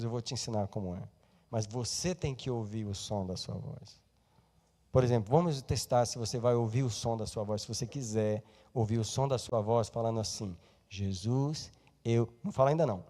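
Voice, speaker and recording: A male pastor preaching a sermon in a church, moving between soft, intimate talk and loud exhortation. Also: medium pitch.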